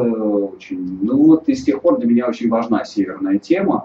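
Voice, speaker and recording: Lively intonation marks this man's speech, which carries audible room echo. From Moscow, Russia; Russia. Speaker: professor and broadcaster; guest lecturer. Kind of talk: public talk. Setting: lecture hall with audience. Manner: hesitant, many fillers. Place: meeting room. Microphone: camera far.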